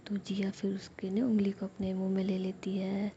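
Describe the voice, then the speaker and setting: A woman's voice: mid-range voice, completely flat delivery, moderate pace, warm tone, muffled recording, a little hiss or hum. A woman narrating a love story in a whispered role-play style, rambling with many fillers.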